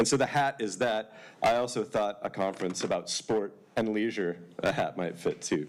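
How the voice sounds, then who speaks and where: A man with a normal speaking voice and an American accent is heard in a very clean recording with a silent background. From United States. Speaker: professor. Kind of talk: conference talk.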